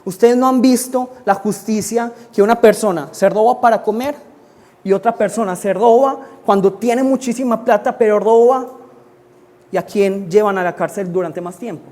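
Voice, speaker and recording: Male preacher, high and mellow, emphatic sermon delivery. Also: normal speed. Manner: emphatic preaching, rising in pleas and dropping in asides. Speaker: pastor.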